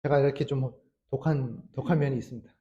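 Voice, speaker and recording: A man in his thirties, a Salvation Army officer preaching a sermon, telling a story with acted quotes and swinging from loud to hushed. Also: medium pitch, steady tone, fast talker, lo-fi sound.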